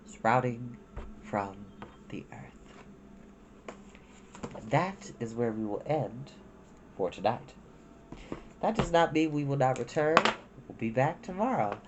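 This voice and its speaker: A woman reading a children's story aloud as a host, with dramatic, unhurried delivery. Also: deep voice, a little mellow, slight background noise, low-quality recording. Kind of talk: expressive children's storybook narration.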